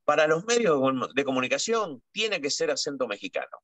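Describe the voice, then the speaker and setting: A man's voice: a little high, big pitch swings, fairly quick, a bit bright, no room sound. Chatty Argentine man, dry sound. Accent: Rioplatense Spanish. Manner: chatty, repeats words while searching. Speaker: guest journalist. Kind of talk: conversational interview.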